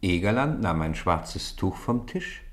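A man's voice: low-pitched, unhurried, slight background noise. A man narrating a children's radio play as a scripted, theatrical storyteller. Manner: theatrical, animated delivery.

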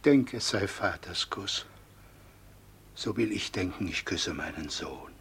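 An actor playing a frail old nobleman and grieving father in a classic radio play, speaking gently and slowly. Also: low voice, animated, gravelly, a little hiss or hum, exaggerated voice. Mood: tender. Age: older.

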